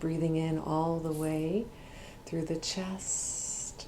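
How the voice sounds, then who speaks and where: Over noticeable background noise, a woman speaks in a calm tone with a very deep, low pitch. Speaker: Reiki practitioner, meditation guide. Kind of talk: guided meditation, Reiki relaxation. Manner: soft-spoken, calm, slow.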